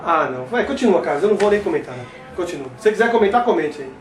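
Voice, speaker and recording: A Brazilian man with a high voice gives heated religious commentary, firing off rhetorical questions and exclamations at his "brothers." He sounds like he is in an echoey room, with faint music underneath. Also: animated, racing, a little mellow. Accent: Brazilian Portuguese.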